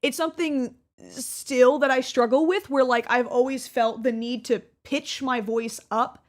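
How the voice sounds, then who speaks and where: High-voiced chatty woman in her twenties. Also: steady tone. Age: 20s. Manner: chatty, many restarts, quick laughs. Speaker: YouTuber. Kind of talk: casual commentary over her old gameplay video.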